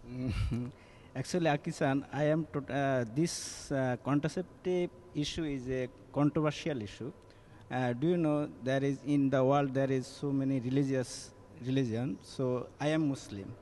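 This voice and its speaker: A man's voice: medium pitch, steady tone, normal speed, warm tone, slight background noise. A young man from Bangladesh, arguing on a student panel while searching for words. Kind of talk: panel discussion.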